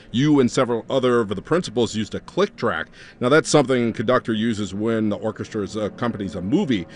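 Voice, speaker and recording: A man hosting a broadcast interview at a concert intermission, asking polite, smooth questions. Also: medium pitch. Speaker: radio host.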